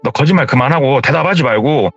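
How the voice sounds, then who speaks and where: A man voicing a stern teenage older brother who scolds gruffly and swears, recorded with dull lo-fi sound. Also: medium pitch, expressive, fast talker, a bit bright. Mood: scolding. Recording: dull lo-fi sound with faint music.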